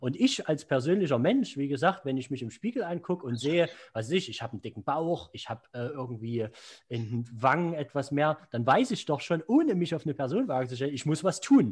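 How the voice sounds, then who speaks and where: A somewhat breathy, fairly high male voice at a very fast pace with lively intonation, over a quiet background. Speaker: podcast co-host, basketball coach. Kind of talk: casual interview. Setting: remote call from home desk. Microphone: bad internet connection, dropouts.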